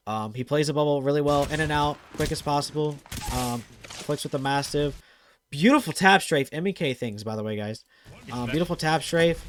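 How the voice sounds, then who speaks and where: A man hosting a gaming channel, giving casual commentary over viewer clips; he talks fast and gets excited, with lots of fillers. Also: medium pitch, slight background noise.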